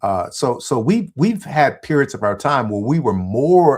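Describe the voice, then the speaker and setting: In a very clean recording with a silent background, a man speaks fairly slowly. His pitch swings very widely. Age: 60s. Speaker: pastor. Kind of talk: interview. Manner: preaching cadence, repetitive.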